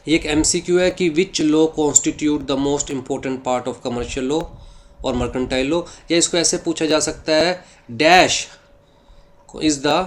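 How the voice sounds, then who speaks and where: A fairly high-voiced man teaches law, reading English text aloud slowly with an Indian English accent. Afterward he breaks down every point in a Hindi-English mix, posing questions he answers himself, in classroom lecture style.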